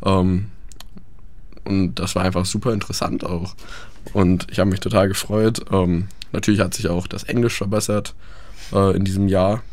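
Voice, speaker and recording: A man's voice: low voice, flat delivery, normal speed, darkish tone, no room sound. A young man chatting about life abroad, hesitant with many fillers. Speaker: guest. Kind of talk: casual radio chat.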